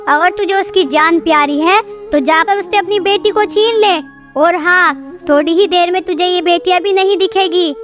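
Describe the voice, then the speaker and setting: Cast: a performer voicing a cackling, greedy cartoon merchant bird, very high-pitched over loud music. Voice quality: harsh mocking laugh. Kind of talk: storybook cartoon voice acting.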